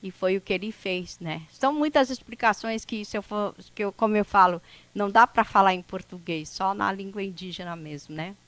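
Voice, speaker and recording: A woman from the São Paulo coast whose first language is a Brazilian indigenous language, telling her life story to an audience in an unhurried, conversational way. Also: mid-range voice, fairly bright tone, no echo. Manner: unhurried, conversational, with frequent "né?" tags and restarts. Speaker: indigenous speaker at an event.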